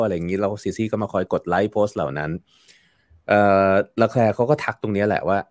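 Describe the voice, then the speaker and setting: Guy with a lowish voice walking through his take, lots of fillers and stumbles, dry close sound. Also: darkish tone, no room sound. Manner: explanatory, with frequent fillers and repeated words. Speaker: guest commentator. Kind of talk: casual interview talk.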